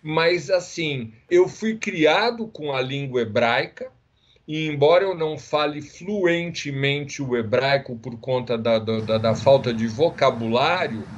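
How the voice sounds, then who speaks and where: Man in his 60s, interview guest, measured storyteller, dull lo-fi sound. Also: mid-range voice, expressive. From Israel. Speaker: guest psychiatrist. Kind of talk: casual interview.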